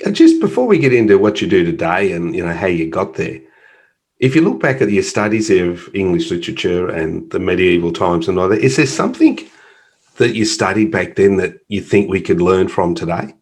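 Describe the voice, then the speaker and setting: A man's voice: sits low, big pitch swings, brisk, darkish tone, husky. A man hosting an interview show over a video call, chatty and jokey with an upbeat, enthusiastic manner. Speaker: podcast host. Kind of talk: casual interview chat.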